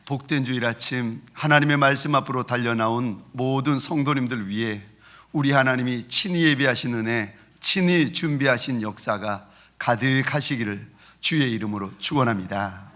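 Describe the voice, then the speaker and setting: A man's voice: medium pitch, normal speed, a bit bright. A male pastor delivering a Sunday sermon, playfully mimicking regional dialects and leading the congregation in call-and-response.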